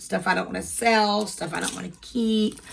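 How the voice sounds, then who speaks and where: Fairly slow and at a medium pitch, a woman with an American accent speaks with vocal fry. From Central Florida. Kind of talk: casual unboxing vlog with personal storytelling. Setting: home filming setup with lights. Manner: chatty, rambling.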